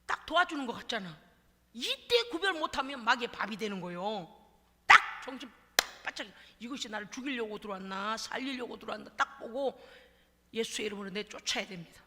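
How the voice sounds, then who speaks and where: A woman's voice: on the high side, expressive, a little fast, sharp tone, slight background noise. A middle-aged woman pastor preaching a sermon, emphatic, with call-and-response to the congregation, in a church sanctuary. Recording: long reverb of a church hall.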